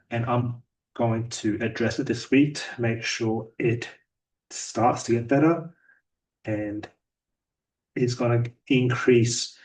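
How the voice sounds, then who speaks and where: A man talking through his day in a vlog, his delivery flat and a little robotic. His voice sits at an ordinary middle pitch and sounds slightly distant from the microphone. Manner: self-described monotone, robotic delivery. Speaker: sales rep vlogger. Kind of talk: daily progress vlog. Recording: voice a bit distant from mic.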